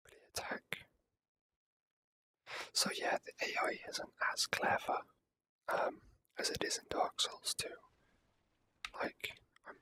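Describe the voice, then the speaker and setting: Whispering ASMR gamer. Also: rough recording. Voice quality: soft unvoiced whisper. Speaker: gaming video creator. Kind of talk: ASMR whispered game commentary.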